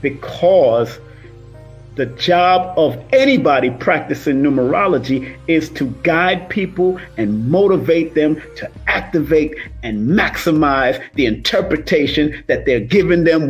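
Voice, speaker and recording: A man talking casually and motivationally as a numerologist livestreaming, emphatic and repetitive, rolling his R's. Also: on the high side. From Cuban and Jamaican heritage. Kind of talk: casual motivational monologue to live viewers.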